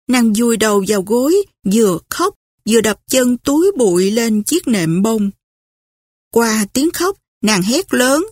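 Husky woman narrating a novel. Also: fairly high pitch, dry recording, clean studio sound. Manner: steady storytelling. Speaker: audiobook narrator. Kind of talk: scripted narration.

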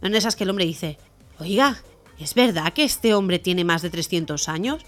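A woman co-hosting a community radio comedy show, chatty and quick to laugh, on a studio mic. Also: fairly low pitch, animated. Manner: chatty, laughs easily, restarts sentences. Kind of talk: telling jokes on community radio.

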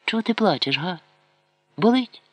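A man's voice: sits high, animated, moderate pace, a bit bright, dry recording, voice pushed up. A man voicing a kind young village girl who fusses over a sick boy tenderly. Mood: fretting.

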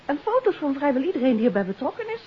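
An actress playing a detective's curious, poised wife in a 1950s radio drama. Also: female voice, sits high, big pitch swings, rapid-fire. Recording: muffled 1950s radio recording with hiss.

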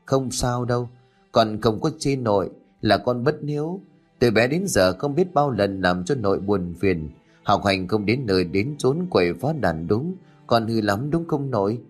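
A man voicing a sickly, remorseful teenage girl in a spoken ghost story, talking in a soft, pleading way. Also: lowish voice, expressive, measured pace, faint music behind. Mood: sorrowful, pleading.

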